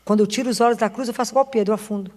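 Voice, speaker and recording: Woman, Brazilian Portuguese accent, high voice, earnest sermon, long hall reverb. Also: rapid-fire, darkish tone. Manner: emotional and earnest, with short urging phrases. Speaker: Catholic preacher.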